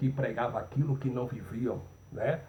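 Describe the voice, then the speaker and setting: A man talks at a fairly slow pace. The room echo is audible. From Brazil, Northeast. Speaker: preacher. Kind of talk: sermon.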